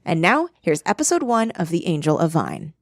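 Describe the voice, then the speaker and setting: A woman's voice: lowish voice, very animated, normal speed. A woman hosting a podcast, reading a promotion in an upbeat, casual way. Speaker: podcast host.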